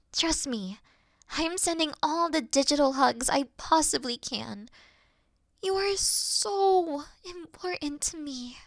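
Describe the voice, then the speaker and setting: A woman playing a caring, worried best friend in an intimate roleplay audio call, speaking softly and soothingly with breathy murmurs. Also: high-pitched, animated, takes it slowly, dry recording, exaggerated voice. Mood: tender, reassuring. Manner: soft, soothing, reassuring, sighing, dropping into breathy murmurs. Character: caring, gentle young female best friend, patient and worried.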